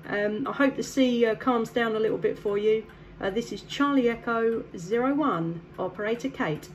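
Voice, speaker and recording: A woman's voice: fairly high pitch, moderate pace. An English woman from the south east chatting over CB radio, friendly and upbeat, handing back with "back to you". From south east England. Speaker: CB radio operator. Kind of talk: casual radio chat.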